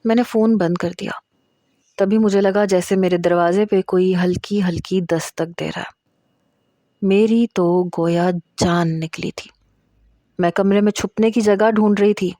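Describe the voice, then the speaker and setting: Woman telling a spooky story as herself, mid pitch, dry close sound. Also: warm tone, dry recording. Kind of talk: first-person story narration.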